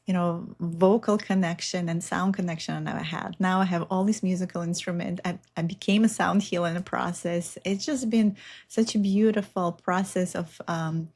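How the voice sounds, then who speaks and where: A woman's voice: lowish voice, steady tone, normal speed, darkish tone. A middle-aged woman from Belarus, a native Russian speaker, talking in an earnest, meandering way with many fillers as a guest in a spiritual interview. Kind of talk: casual interview talk.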